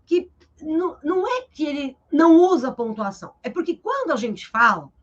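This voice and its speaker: A woman teacher with a Brazilian Portuguese accent, explaining literature in a live interview over a video call, in a lively, explanatory way that keeps checking in with her listener. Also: sits high, brisk, lo-fi sound. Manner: lively and explanatory, tags sentences with "né?".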